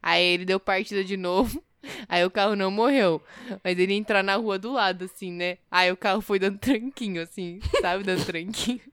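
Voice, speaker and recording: A woman co-hosts a podcast, telling stories in a casual chat style. She acts out the quoted dialogue with lively shifts. Her voice is smooth and clear, and it sits dry and close to the mic. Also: mid-range voice, brisk, no echo. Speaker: podcast co-host.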